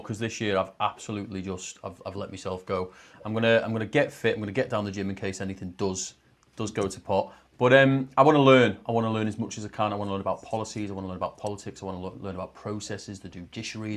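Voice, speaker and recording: A man speaking eagerly and emphatically in a casual chat, repeating his points. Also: fairly low pitch. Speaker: co-host.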